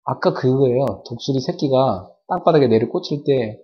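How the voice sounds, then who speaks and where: Male pastor, lively sermon delivery, muffled old church video sound. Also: mid-range voice, moderate pace. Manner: animated preaching with sound-effect words and questions to the congregation. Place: church service. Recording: dull lo-fi church video recording.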